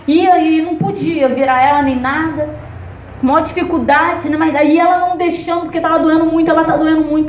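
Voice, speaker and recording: A woman pastor telling an emotional testimony in a sermon, calling on listeners by name. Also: high-pitched. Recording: roomy, distant, dull sound.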